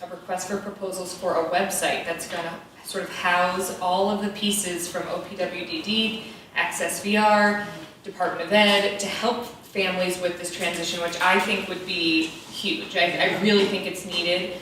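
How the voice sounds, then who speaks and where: A woman on a panel explaining resources in a measured, informative way with frequent ums. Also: on the low side, steady tone, a bit bright, a little hiss or hum. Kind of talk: panel discussion. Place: event hall. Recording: echoey hall from far off.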